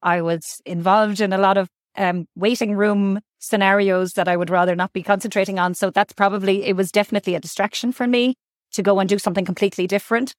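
A woman's voice: medium pitch, steady tone, fast, no room sound, studio quality. A woman doctor, answering interview questions thoughtfully and often repeating words as she thinks. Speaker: guest doctor.

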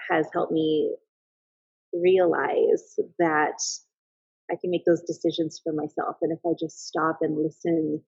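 Speaking as a podcast guest, this thirtysomething mother and business owner reflects casually and earnestly, frequently starting her sentences over. She has a fairly low, gravelly, darkish and slightly rough voice. There's no echo, though the lo-fi audio is a little dull.

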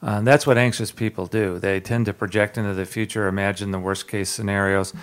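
A man's voice: lowish voice, brisk. A man hosting a Christian radio talk show, speaking casually with many filler words and a slight Southern accent. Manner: relaxed, many "uh" fillers, jokes about his southern drawl.

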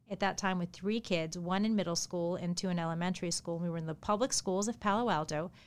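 Woman author from New York, Japanese her first language, smooth and clear, a bit low. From New York City area. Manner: animated, chatty storytelling. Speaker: author, podcast guest. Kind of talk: interview storytelling.

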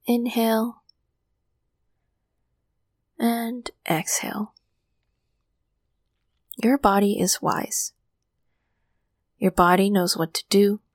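A woman with a calming voice hosts a meditation podcast and leads a guided session. She speaks softly and slowly, dropping into a whisper on some breathing cues. The sound is dry and close, with no room around it. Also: medium pitch, dry recording. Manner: soft, slow guiding with whispered breath cues.

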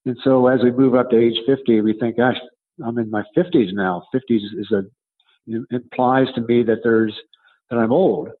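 Older man, husky voice, muffled sound. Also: medium pitch, steady tone. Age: 70s. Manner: halting, repeats words while thinking. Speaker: coach and book author. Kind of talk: interview answer, conversational explaining.

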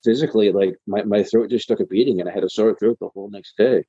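A man speaking in a casual chat, halting and repeating words. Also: fairly low pitch, fairly even intonation, dark tone, husky, no room sound, muffled recording.

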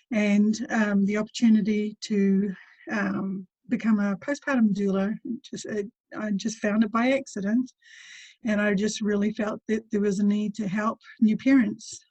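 A woman's voice: medium pitch, darkish tone, no echo, low-quality recording. A woman with a New Zealand accent, speaking as a postpartum doula in a casual interview, chatty and full of ums.

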